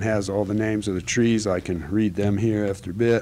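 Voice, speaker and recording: The man's voice has a fairly low pitch. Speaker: presenter. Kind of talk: public meeting presentation. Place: hall. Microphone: podium.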